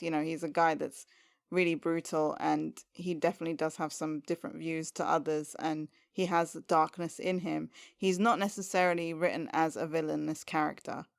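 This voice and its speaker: A woman co-hosting a podcast, recapping a TV episode in casual chat, animated and sarcastic with frequent laughs. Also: low voice, normal speed, creaky, clean tone. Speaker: podcast co-host.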